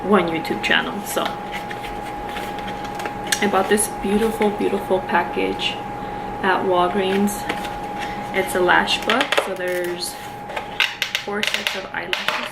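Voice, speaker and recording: A woman's voice: medium pitch, slow pace, gravelly, long pauses. Spanish-accented woman chatting far from the mic. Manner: chatty, filler-heavy, many "like"s and "you know"s. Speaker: beauty vlogger. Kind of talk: casual get-ready-with-me chat. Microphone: camera mic from a distance. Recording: distant camera mic, steady background hum.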